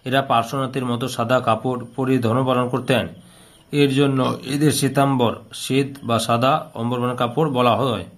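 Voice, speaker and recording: A man's voice: medium pitch, steady tone, moderate pace. A man teaching by reading out questions and answers, repeating phrases as if dictating. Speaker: history teacher solving an exam paper.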